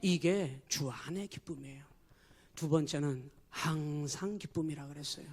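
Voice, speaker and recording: A man's voice: on the high side, a little slow, husky. A man preaching a sermon as pastor, emphatic and forever addressing the congregation. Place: church.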